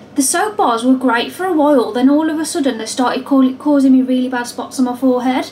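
Ordinary pitch variation over light background noise. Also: woman. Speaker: vlogger. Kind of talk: casual vlog chat. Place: bathroom. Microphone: phone near.

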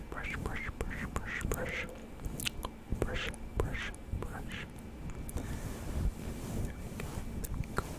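Whispering at a very slow pace, a soft-spoken man leaves long, frequent pauses. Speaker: ASMR creator. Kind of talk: ASMR whispered trigger words. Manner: soft close-mic ASMR whisper. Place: home room. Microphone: studio mic.

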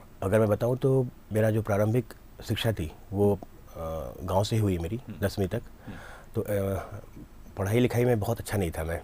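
With light background noise behind him, a man with a fairly low, somewhat breathy voice and a dark, mellow tone talks at a fairly slow pace, leaving long, frequent pauses, in a dry sound with no echo. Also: ordinary pitch variation. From Uttar Pradesh, village near Varanasi; Uttar Pradesh. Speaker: police officer; guest. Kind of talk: interview. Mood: calm, earnest, confident. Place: studio.

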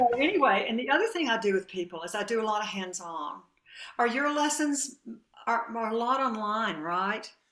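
A woman's fairly high, bright and sharp voice in a Southern US accent, with lively intonation, a moderate pace and audible room echo. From US South. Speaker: piano technique teacher. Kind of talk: casual interview chat. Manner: halting, with false starts. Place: home room.

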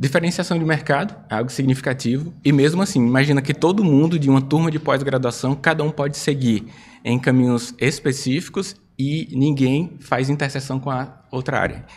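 Somewhat breathy and fairly high-pitched, a man talks at a moderate pace with ordinary pitch variation. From Cariri, Ceará, Brazil; Ceará, Brazil. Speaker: physician and podcast host; podcast host. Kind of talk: interview. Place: studio. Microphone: studio mic.

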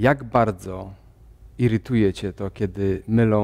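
Dark and mellow in tone, a man's voice sits at a fairly low pitch. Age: 40s. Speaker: TV talk show host. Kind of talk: talk show interview. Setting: studio. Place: studio. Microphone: lapel.

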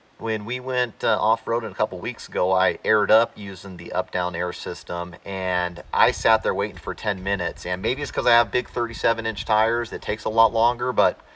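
A man speaks in a bright, sharp tone at a moderate pace. His intonation is fairly even, with hardly any pauses. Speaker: overlanding vlogger. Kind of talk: casual vlog explanation. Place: open country.

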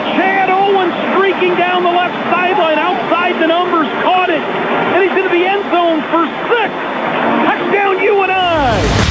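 A man talking at a fairly slow pace with hardly any pauses, over loud background noise. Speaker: radio play-by-play football announcer. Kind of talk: live sports radio play-by-play call. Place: booth.

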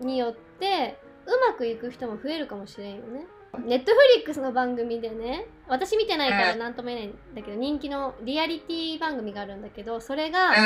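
The speech moves at a fairly quick pace, with faint music in the background. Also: woman, high pitch for a woman. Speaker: channel host. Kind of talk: casual chat between friends. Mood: cheerful, laughing. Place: home room.

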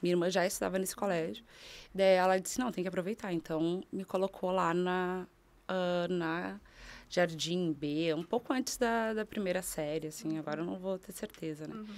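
Speaking at a moderate pace, a woman uses ordinary pitch variation at a fairly low pitch. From southern Brazil. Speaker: university professor. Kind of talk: casual interview. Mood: warm, animated storytelling. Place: studio. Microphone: studio mic.

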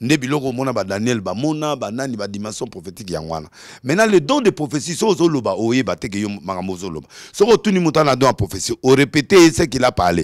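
A man talks fairly quickly with vocal fry, very wide pitch swings and big swings in loudness, in a dry sound with no echo against a quiet background. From DR Congo. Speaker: prophet, preacher; guest. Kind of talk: interview. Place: studio. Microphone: handheld.

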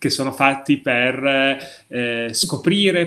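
A man's voice with ordinary pitch variation. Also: quiet background. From Piedmont, Asti; Piedmont. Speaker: writer; interview guest. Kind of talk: interview. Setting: video call. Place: home room.

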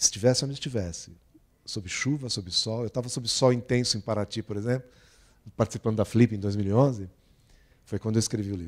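The setting is quiet. A man speaks at a moderate speed, his pitch varying in an ordinary way. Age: 50s. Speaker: writer and journalist; journalist. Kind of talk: talk at a book event with Q&A. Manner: halting. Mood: relaxed, reflective. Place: stage. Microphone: handheld.

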